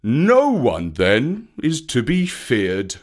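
A man's voice: wildly swooping pitch, full character voice. A man voicing a big old brown bear, a stern but tender teacher with a weighty, emphatic, old-fashioned way of speaking in a storybook. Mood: proud. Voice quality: rumbling, weighty. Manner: slow, emphatic, archaic storybook speech.

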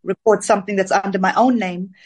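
A woman's voice: mid-range voice, steady tone, a little fast, darkish tone, slightly rough. Chatty woman singer from Zambia. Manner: chatty, rambling with fillers. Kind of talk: casual interview.

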